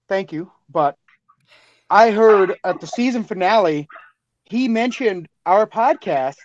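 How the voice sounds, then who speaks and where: A man co-hosting a podcast, speaking earnestly and haltingly, often repeating himself. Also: high-pitched, dry recording, muffled recording. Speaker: podcast creator and co-host. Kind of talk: casual group chat over mics.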